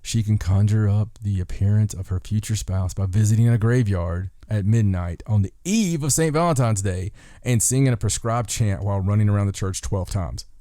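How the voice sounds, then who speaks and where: A man's voice: on the low side, moderate pace, few pauses, mellow, dry recording. A man hosting a podcast, reading out folklore in a casual way with dry, joking asides. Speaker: podcast host.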